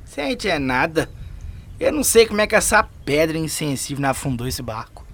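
A man's voice: on the high side, a little fast, exaggerated voice. A man acting in a radio drama as a teasing, patient Brazilian riverman who talks colloquially, like a homespun philosopher. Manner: colloquial, playful, animated.

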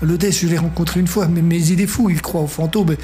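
A man's voice: a little high, fairly even intonation, fairly quick, mellow, voice pushed up, close to an everyday voice. A man putting on a stammering frightened young woman. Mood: terrified. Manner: stammering, panicked. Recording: music playing under the voice.

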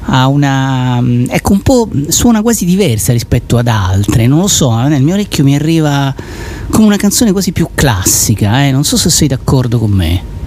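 A man's voice: very animated, moderate pace, a little mellow. A man hosting a casual music interview, talking in a rambling way and often checking for agreement with little tag questions. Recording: faint rumbling background noise.

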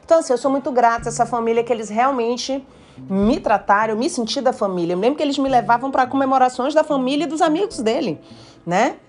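Woman telling a funny story, chatty and animated, faint music underneath. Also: a little high, quick pace. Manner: animated, addresses listeners directly. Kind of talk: casual personal storytelling.

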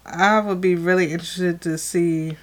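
A woman's voice: fairly low pitch, fairly even intonation, moderate pace. A young adult woman co-hosting a podcast, chatting casually and hesitantly with many fillers. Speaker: podcast co-host. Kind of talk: casual chat.

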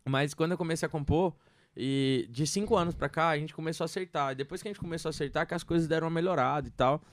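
A Brazilian man with a Tocantins accent talks fast and earnestly as a songwriter guest. His rambling sentences are full of fillers. The sound is close and dry. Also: a little high, dry recording. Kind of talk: casual interview storytelling.

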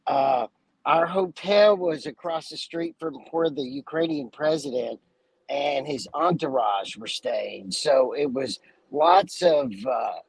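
A man co-hosting a podcast in casual chat, speaking haltingly with many "uh" pauses. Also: medium pitch, animated, breathy edge, no echo, rough recording. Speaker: podcast co-host.

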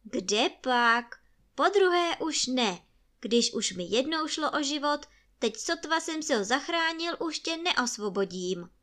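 A woman's voice: high-pitched, big pitch swings, fairly bright tone, voice pushed up. A woman voicing a clever young boy who talks earnestly and pleads with his father. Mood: defiant. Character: clever, eager young boy, the woodcutter's son.

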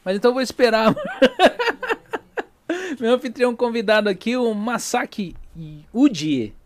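A man's voice: very high voice, moderate pace, no room sound. A man hosting a podcast in a small studio, chatty and jokey, tagging his lines with little questions. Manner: chatty, jokey, fills with "né?" and "tá entendendo?". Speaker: podcast host. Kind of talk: casual podcast chat with sponsor reads.

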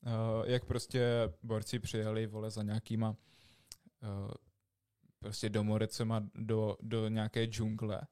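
A young man co-hosting a podcast, chatting casually in slangy, excitable talk. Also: lowish voice. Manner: slangy, excitable, imitates voices in stories. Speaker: podcast co-host. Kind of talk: casual chat.

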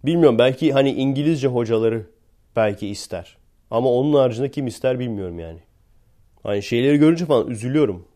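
Talking fast in an animated, warm, medium-pitched voice, a Turkish podcast host rambles through a casual monologue. He's chatty and sarcastic and laughs frequently.

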